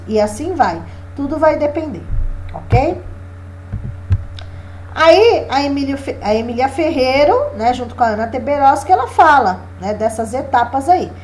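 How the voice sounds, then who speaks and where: A woman's voice: sits high, a little mellow, slight background noise. A woman teacher, giving an exam review lesson and often checking in with her listeners. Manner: explanatory, checks in with "né?" and "tá?".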